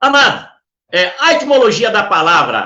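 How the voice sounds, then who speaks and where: A man talks with lively intonation. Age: 60s. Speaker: pastor, Bible teacher. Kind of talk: Sunday school Bible lesson. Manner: informal, conversational with filler words.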